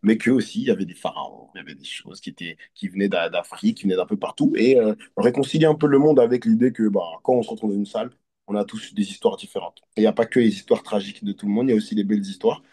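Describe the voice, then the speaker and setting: A man from Côte d'Ivoire, a hypnotist, talking in an earnest, reflective and halting way as an interview guest. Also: lowish voice, warm tone, slightly rough. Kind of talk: casual interview conversation.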